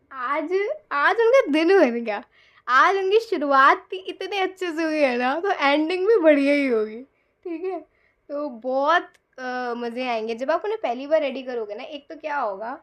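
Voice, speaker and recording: A woman tarot reader telling a romantic reading in a chatty, giggly way, acting out little scenes as she goes. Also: high-pitched. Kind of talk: casual storytelling tarot reading.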